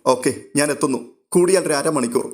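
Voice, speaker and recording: A man voicing a steady, reassuring young man in an audio story, calm and matter-of-fact. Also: on the high side, a little fast, natural voice.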